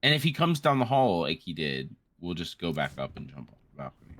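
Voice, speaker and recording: A man in his late twenties giving casual, joking game commentary in a crude, rambling, animated way. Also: sits low, brisk. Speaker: co-host of a gaming series.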